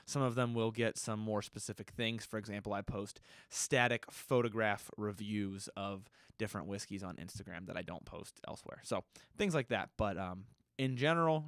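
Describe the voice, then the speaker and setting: A man with a slightly stuffy nose, hosting his own podcast in a relaxed, rambling way. He often stops to correct himself, and his voice sits at an ordinary middle pitch. The sound is close and dry, with no room echo. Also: clean tone. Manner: loose and rambling, with frequent self-corrections. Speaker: podcast host. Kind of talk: casual solo podcast answering listener questions.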